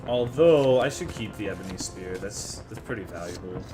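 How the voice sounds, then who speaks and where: A brash man talks to his chat while playing, swearing freely and trading jokes. His pitch swings widely, and faint game music plays underneath. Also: lively intonation, normal speed. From Texas. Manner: brash, profane, joking with chat. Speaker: streamer. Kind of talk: casual live gaming stream chatter.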